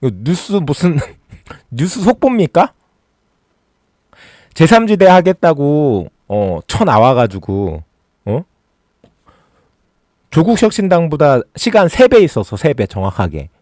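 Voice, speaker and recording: A man's voice: a little high, sing-song, slow pace, long pauses, darkish tone, no echo, studio quality. A man hosting a casual political livestream, talking sarcastically and mockingly and working himself up into exasperated rants. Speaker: political YouTube host.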